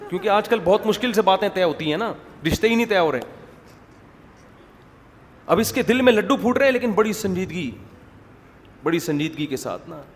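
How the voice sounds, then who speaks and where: A man's voice: high-pitched, expressive, long pauses. Male preacher, casual humorous sermon, long reverb, faint background noise. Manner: chatty, joking storyteller. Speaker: Islamic preacher.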